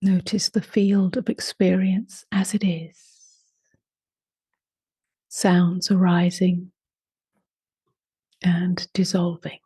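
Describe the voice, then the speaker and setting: A woman leading a guided meditation in a soft, unhurried voice that often drops to a half-whisper. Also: on the low side, flat delivery, husky, no room sound, clean studio sound. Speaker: meditation teacher.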